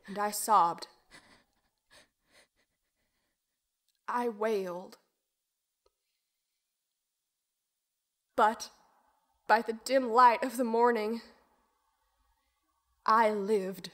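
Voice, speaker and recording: Woman acting Little Red Riding Hood, high-voiced, intense. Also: fairly even intonation, a bit bright. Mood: shaken, grim. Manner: intense, deliberate, emotional storytelling. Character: young Little Red Riding Hood, bitter, traumatised survivor recounting her ordeal. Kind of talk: dramatic first-person audio drama monologue.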